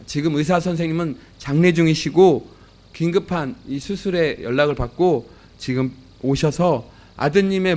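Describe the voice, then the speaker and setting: A tearful female nurse speaking softly and quietly , as a male preacher puts her on, his voice a little raised. The story is told in a sermon. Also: a little high, close to an everyday voice.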